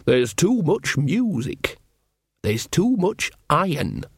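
A man puts on a shrewd old woman witch for a fantasy audiobook. The pitch is lifted well above a normal male register. She speaks in blunt, folksy, colloquial phrases, cheeky and unafraid. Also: big pitch swings, takes it slowly, husky, dry recording, clean studio sound, full character voice. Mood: sharp defiance.

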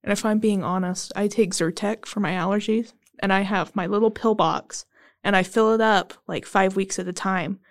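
A woman's voice: medium pitch, fairly even intonation, normal speed, no echo, studio quality. A woman in her twenties, a pharmacy student, interviewing casually with friendly ums. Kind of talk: interview conversation.

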